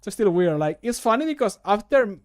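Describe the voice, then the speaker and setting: This streamer and game modder, in his thirties, has a high, sing-song voice and talks fairly quickly. Broadcasting indoors from a small home room, he chats in a rambling, self-deprecating way, dropping casual swears.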